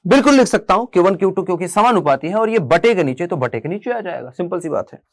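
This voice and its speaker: A man with a fairly high voice gives a classroom physics lesson. He explains step by step, with a north Indian Hindi accent. He keeps asking his students questions and calls them "beta". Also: expressive, fast talker. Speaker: physics teacher. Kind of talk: classroom lecture.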